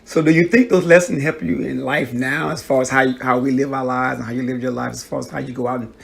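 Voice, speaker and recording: A man's voice: medium pitch, fairly even intonation, fast, vocal fry. A middle-aged man, a father, asking his son leading questions in a casual family chat.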